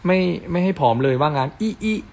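A man's voice: high-pitched, animated, a little mellow, slight background noise. A man hosting a casual live stream on a phone mic, reading fan comments aloud and chatting affectionately with fans. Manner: spells letters out slowly.

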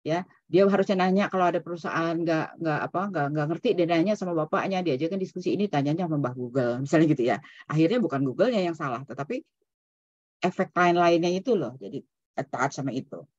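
A woman's voice: low-pitched, fast talker, a little mellow, no echo, dull audio. A woman psychologist giving an online seminar lecture in a loose, conversational way, dropping English terms into her talk and tagging sentences with "gitu ya". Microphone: video call.

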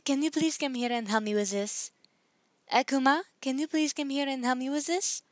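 Woman acting soft-spoken young circus woman. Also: mid-range voice, no echo, lightly acted.

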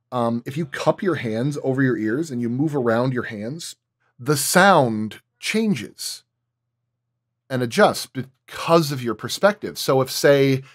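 A man who works as a sound designer, talking casually at a roundtable and explaining his craft with examples, often thinking aloud as he goes. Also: mid-range voice.

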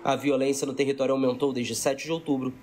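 A man's voice: medium pitch, flat delivery, fast, darkish tone. A Brazilian man narrating a scripted news report as a voice-over.

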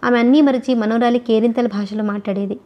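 A woman narrating a novel as an audiobook reader, in a steady, even storytelling manner. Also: on the high side, fairly quick, dull audio.

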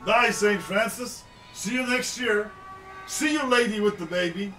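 A man doing a squeaky, eager henchman. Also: bright, forceful tone, distant mic, soft background music. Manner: eager, fast, naive. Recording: echoey, off-mic.

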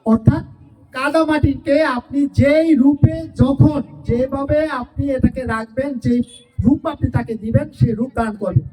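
At a school event, a teacher gives parents a farewell speech, posing rhetorical questions and repeating her points and phrases. Her high voice is warm, at normal speed with fairly even intonation, and it sounds distant, as if from far off.

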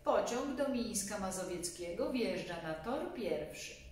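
A woman playing a formal station loudspeaker announcer in a storybook, projecting each announcement. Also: mid-range voice, animated, a little slow, natural voice. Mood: urgent, formal. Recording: echoey room, distant mic, faint hum.

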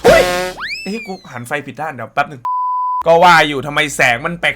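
Animated high-voiced young Thai man. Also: fairly quick, very noisy. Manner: loud, crude slang, frequent exclamations and laughs. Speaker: reaction video host. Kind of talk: casual comedic reaction commentary.

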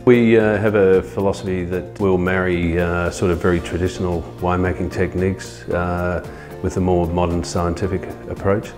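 A middle-aged man talking in a filmed interview as a winemaker, halting with many fillers, recorded in a tasting room. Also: sits low, little pitch movement, darkish tone. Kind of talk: documentary interview. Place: indoor winery tasting room. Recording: music bed underneath.

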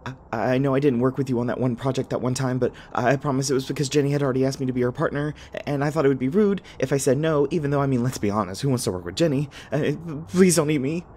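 A man's voice: mid-range voice, quick pace, hardly any pauses, a little mellow, a little hiss or hum, close to an everyday voice. A man acting a nervous, rambling young human in an audio roleplay, stammering as he talks to the listener. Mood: panicked. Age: young adult.

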